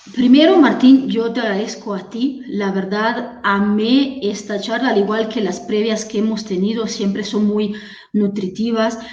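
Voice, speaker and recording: With an Italian accent, a woman talks at a fairly slow pace in a fairly high pitch and fairly even intonation, with audible room echo and noticeable background noise. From Italy, Tuscany (Massa). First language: Italian (speaking Spanish). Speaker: author. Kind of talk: panel talk at book fair, livestream. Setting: virtual livestream.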